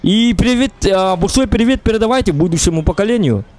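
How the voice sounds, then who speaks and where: A man's voice: sits high, expressive, fast, darkish tone. A man with as his language, chatting casually and playfully as he streams an online role-play game, asking questions and repeating himself. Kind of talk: casual improvised in-game chat.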